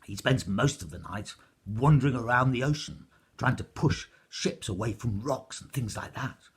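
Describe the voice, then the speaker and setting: A man voicing a huge, brusque giantess in a high, shrill squeal. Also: expressive, moderate pace, slightly rough.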